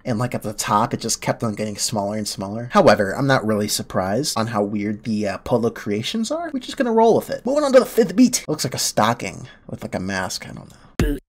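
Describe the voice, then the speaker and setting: A young man hosts a gaming video from a room at home, talking into a headset mic with a lowish, sing-song voice at a fairly quick pace. He sounds sniffly from a cold and reacts casually, laughing and wandering into rambling asides. There's slight background noise behind his game commentary.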